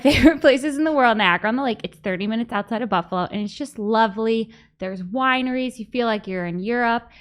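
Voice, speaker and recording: A woman hosting a podcast, chatting casually in bubbly, quick bursts. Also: a little high. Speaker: host.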